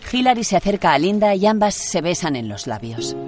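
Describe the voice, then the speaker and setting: Castilian woman narrating over loud music. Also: on the low side, very animated, a little fast. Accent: Castilian Spanish. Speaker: audio describer. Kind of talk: scripted audio description narration.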